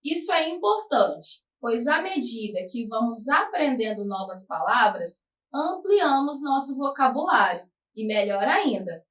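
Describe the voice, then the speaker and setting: A woman teacher with a Brazilian Portuguese accent giving a recorded lesson to adult students, speaking slowly and drawing out her words. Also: sits high, a bit bright, distant mic. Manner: slow, careful, drawn-out words. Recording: echoey room, somewhat off-mic.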